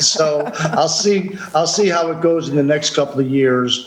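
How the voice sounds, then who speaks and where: Over noticeable background noise and audible room echo, a man talks with a fairly high pitch and ordinary variation. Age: 70s. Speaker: political candidate. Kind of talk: interview. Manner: halting.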